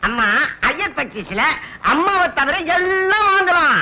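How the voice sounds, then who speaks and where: A man's voice: very high-pitched, very animated, unhurried, bright, forceful tone, highs cut off, slight background noise, heavily acted. An actor playing a comic male household servant who spins tall tales, in 1980s Tamil film comedy. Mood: boastful.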